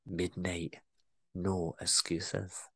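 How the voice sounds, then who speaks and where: A man voicing a bossy, predatory woman manager in a put-on Scottish accent, husky and murmuring. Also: mid-range voice, very animated, unhurried. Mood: sultry. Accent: attempted Scottish.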